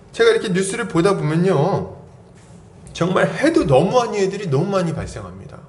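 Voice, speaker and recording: A pastor in his forties preaching a sermon, asking his congregation lively rhetorical questions. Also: a little high. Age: 40s. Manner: animated, asks the congregation many rhetorical questions. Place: church sanctuary. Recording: roomy church echo, faint background hum.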